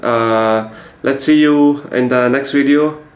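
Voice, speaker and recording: A man with a Pakistani accent talks casually to the camera as a video host, in a halting way with repeated words. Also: mid-range voice, fairly even intonation. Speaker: YouTube host and Amazon business instructor. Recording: echoey room with faint noise.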